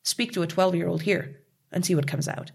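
A woman's voice: on the low side, fairly even intonation, a little fast, gravelly, a little mellow, breathy edge. A woman from Canada, speaking passionately and emphatically as an interview guest. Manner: passionate, emphatic, with rising outbursts. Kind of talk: conversational interview.

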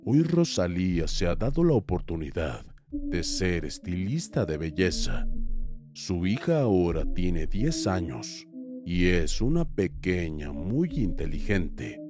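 Deep, slow-paced male horror narrator. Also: very animated. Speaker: narrator of paranormal stories. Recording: music bed under the voice.

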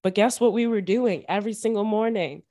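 A young woman podcast host telling stories from her childhood in a casual, animated way, full of slang and fillers. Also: mid-range voice, brisk. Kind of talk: casual chat.

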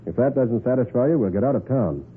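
Shrewd radio detective, lively delivery. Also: male voice, medium pitch, fast talker, husky. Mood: polite, firm. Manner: assured, direct, courteous. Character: confident, shrewd big-city private detective. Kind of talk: 1940s radio drama acting. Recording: muffled, noisy 1940s radio recording.

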